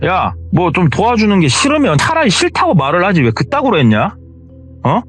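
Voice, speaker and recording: A ruthless young male car salesman who speaks in a cursing, taunting way, as a male storyteller puts him on. His voice sits at a middle pitch but swings widely, sounding menacing in a told horror story. Faint music plays behind him. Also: animated, normal speed, lightly acted.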